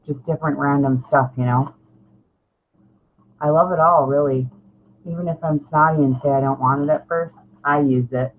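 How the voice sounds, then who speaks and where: Her voice sits low and stays steady, moving at a moderate pace broken by long pauses. This middle-aged craft vlogger rambles informally to viewers, self-deprecating and slightly salty. Audio is dull and lo-fi, and the background noise is easy to hear.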